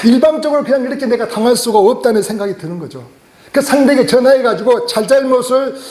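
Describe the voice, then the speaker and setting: A man's voice: sits high, a little mellow, echoey room. A man pastor preaching a sermon, telling a personal story, laughing often and asking the congregation questions. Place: church sanctuary.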